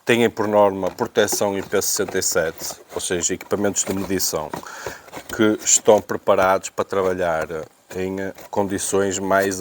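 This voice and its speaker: A man with a European Portuguese accent and a lowish voice talks through a product unboxing. He speaks off the cuff, thinking aloud and often repeating words as he searches for the next one. There is faint noise in the recording. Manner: hesitant, repetitive, thinking aloud. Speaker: unboxing video presenter. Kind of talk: casual unscripted product review.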